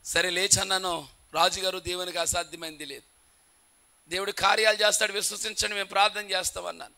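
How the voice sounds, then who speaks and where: A man's voice: high-pitched, steady tone, quick pace, vocal fry, sharp tone. A male pastor preaching a sermon in a dramatic storytelling manner.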